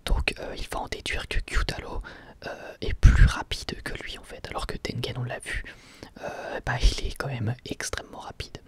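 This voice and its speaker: A person whispering an informal, halting ASMR commentary on anime episodes in a breathy, unvoiced voice. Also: medium pitch, flat delivery. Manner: hesitant, halting, informal explaining. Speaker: anime review vlogger.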